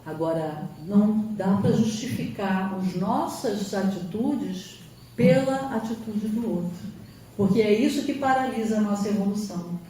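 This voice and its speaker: A woman's voice: mid-range voice, measured pace, warm tone, slight background noise. A woman giving an emphatic spiritual lecture, sometimes acting out quoted voices. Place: lecture hall. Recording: roomy hall from far off, faint ambience.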